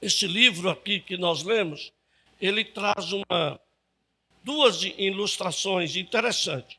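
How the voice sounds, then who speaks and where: A man with a high pitch uses a raised, projected voice and a bright, sharp tone, with ordinary pitch variation. He speaks at a very slow pace in a very clean recording with a silent background. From Brazil, Taguatinga (Federal District). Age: 60s. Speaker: pastor. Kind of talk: bible study lecture. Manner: conversational.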